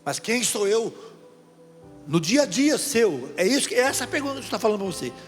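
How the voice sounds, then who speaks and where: A man's voice: high-pitched, sing-song, brisk. Brazilian man preaching in a reverberant hall. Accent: Brazilian Portuguese. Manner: conversational storytelling, speaks straight to the audience. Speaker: deacon preacher. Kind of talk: sermon. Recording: reverberant hall with faint music.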